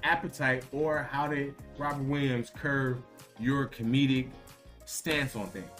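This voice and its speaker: A man hosting a casual podcast, asking his guests questions with many halting restarts. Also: medium pitch, fairly even intonation, fairly bright tone, faint music behind. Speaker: podcast host.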